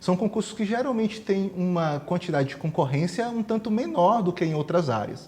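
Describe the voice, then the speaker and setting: A man's dark, mellow voice with a Bahian accent, very wide pitch swings and a moderate pace. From Bahia, Brazil. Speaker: sign language interpreter and teacher. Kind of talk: TV interview.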